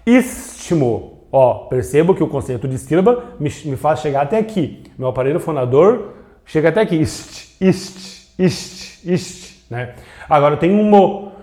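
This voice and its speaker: Male grammar teacher, slightly high voice, animated delivery, walks students through rules by asking and answering himself. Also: moderate pace. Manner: explains step by step, asks and answers his own questions; stretches out syllables to demonstrate. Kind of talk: video grammar lesson.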